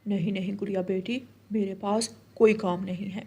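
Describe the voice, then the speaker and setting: A woman's voice: mid-range voice, steady tone, moderate pace, warm tone, slightly rough. Woman doing a curt shopkeeper uncle. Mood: dismissive. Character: middle-aged male shopkeeper bird, curt.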